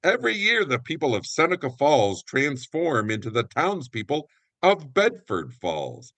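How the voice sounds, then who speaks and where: A man's voice: mid-range voice, huge pitch swings, a little slow, fairly bright tone, dry recording. A man speaking as a community theater actor and announcer, explaining things conversationally. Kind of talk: conversational guest interview and warm sign-off narration.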